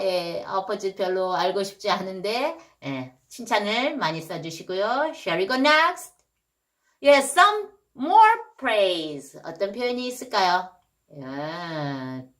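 A woman hosting a casual lesson for parents, moving from quick chatty remarks to slow, drawn-out English example phrases. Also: mid-range voice, a bit bright.

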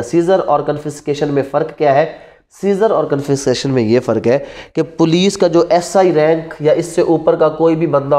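Higher-pitched Pakistani man lecturing. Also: mellow. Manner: asks rhetorical questions and repeats key points. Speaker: law teacher. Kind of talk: classroom lecture mixing Urdu and English terms. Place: indoors in front of a classroom whiteboard.

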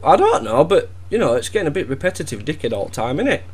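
A man's voice: fairly high pitch, fast talker. Teasing young man on game chat. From Wales. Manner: teasing, deadpan, mock-innocent. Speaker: gaming video creator trolling an opponent.

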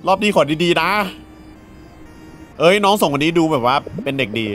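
High, lively gaming YouTuber man. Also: moderate pace, soft background music. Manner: playful, joking, reads game dialogue aloud. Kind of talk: let's play commentary.

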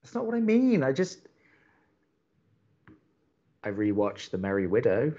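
A man plays an earnest young college radio co-host in an audio romantic comedy. His pitch moves around a lot as he hesitates and stammers reassurances. The sound is slightly dull. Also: wildly swooping pitch, measured pace, mellow, full character voice. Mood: awkward, encouraging. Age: young adult. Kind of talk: naturalistic romantic comedy podcast acting.

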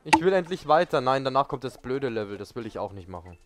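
A man's voice: medium pitch, fast, over music. A man hosting a let's play, complaining and swearing in casual gaming commentary. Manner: whiny, swearing, animated.

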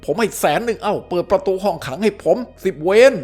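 A man's voice: high-pitched, racing, a little mellow, soft background music, voice pushed up. A man voicing a spoiled rich man locked in a cell, wailing and demanding to be let out. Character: spoiled rich male prisoner, whining, panicky.

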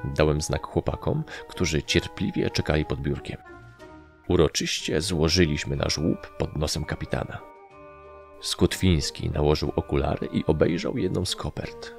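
A man reading a humorous story aloud as an audiobook narrator, with lively storytelling. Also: a bass voice, normal speed, gravelly, faint music behind. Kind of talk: scripted narration.

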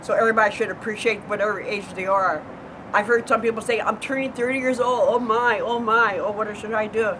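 A woman's voice: fairly high pitch, steady tone, a little fast. Earnest woman in her seventies outdoors. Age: 70s. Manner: earnest, chatty, repeats words when thinking. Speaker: neighbor answering viewer questions. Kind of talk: casual outdoor chat. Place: backyard lawn by a wall, outdoors. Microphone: far camera. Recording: outdoor noise, distant camera mic.

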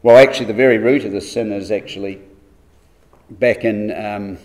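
A man giving an earnest Bible study exhortation, measured and steady, asking rhetorical questions as he works through the verses. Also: on the low side.

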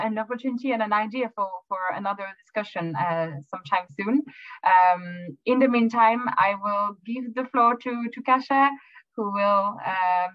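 A man moderating an online panel, speaking haltingly with many restarts over a laptop video call. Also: sits high, no room sound, lo-fi sound.

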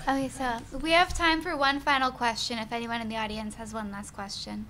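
A woman's voice: a little high, fairly even intonation, fairly quick, noisy background. A young woman moderating a campus Q&A in a chatty, self-deprecating way. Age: young adult. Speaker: student moderator.

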